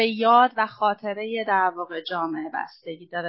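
A woman with an unremarkable speaking voice talks at a moderate pace, her medium pitch held in fairly even intonation. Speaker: party official and women's affairs secretary. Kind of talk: panel discussion.

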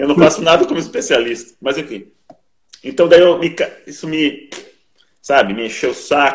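Speaking at a moderate pace, a man with a fairly high voice leaves long, frequent pauses. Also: ordinary pitch variation. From Bragança Paulista, São Paulo state, Brazil. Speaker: poet. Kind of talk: casual interview conversation. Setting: online live stream. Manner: hesitant, many fillers.

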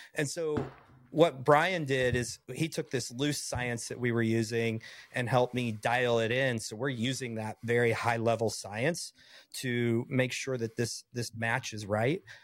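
This man has an ordinary speaking voice, medium in pitch with ordinary pitch variation. He speaks at a fairly slow pace in a very clean recording with a silent background. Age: 50s. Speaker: business owner and entrepreneur. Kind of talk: casual chat.

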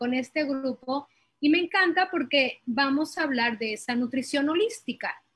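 A woman talks fairly slowly in a high pitch that varies in an ordinary way. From Mexico, Valle de Bravo, State of Mexico. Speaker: entrepreneur and wellness coach. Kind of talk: interview.

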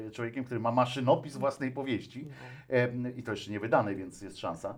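The speaker goes at a very fast pace, somewhat breathy, with ordinary pitch variation and big swings in loudness. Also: man. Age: 50s. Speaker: former journalist and radio host. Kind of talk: interview about depression.

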